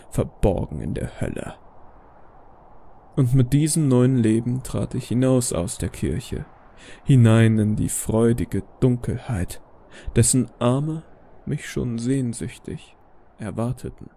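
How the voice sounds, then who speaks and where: A man's voice: medium pitch, gravelly, mellow. A man narrating a scripted creepypasta horror story.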